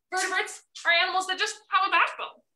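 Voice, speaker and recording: A woman projects her voice in a bright, sharp tone at a very fast pace. Her intonation is lively over a quiet background. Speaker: zoo educator. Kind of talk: lecture. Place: classroom. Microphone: video call.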